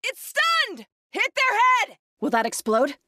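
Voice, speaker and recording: A woman's voice: extremely high pitch, wildly swooping pitch, takes it slowly, sharp tone, dry recording, clean studio sound, heavily acted. An actress playing an earnest female tribal warrior companion, delivering short, emphatic battle lines for a video game. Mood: calm, supportive.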